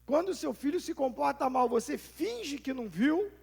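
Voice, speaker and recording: Brazilian male pastor, chatty sermon delivery, strongly gravelly fry throughout. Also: very high voice, expressive, moderate pace, darkish tone. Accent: Brazilian Portuguese. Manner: conversational preaching, rhetorical questions, acts out little scenes.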